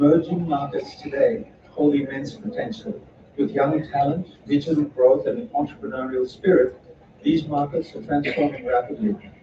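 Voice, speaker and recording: A man with a slight Australian accent speaks at a moderate pace, his pitch fairly high and his intonation lively. Noticeable background noise runs behind him. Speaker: development practitioner, conference speaker. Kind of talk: conference keynote speech. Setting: conference podium with audience.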